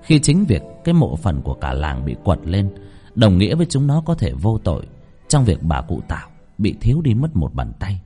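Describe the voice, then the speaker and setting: A man narrating a ghost story with a dramatic, lively reading. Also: low-pitched, moderate pace, breathy edge, faint music behind.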